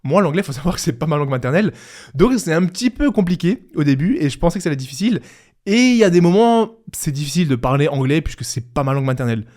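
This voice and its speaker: A young man talks straight to his listeners in a relaxed, chatty podcast, sharing advice as a new father. His voice sits a little high for a man, and he fills pauses with easy fillers and quick restarts. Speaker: podcast host. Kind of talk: casual solo podcast advice.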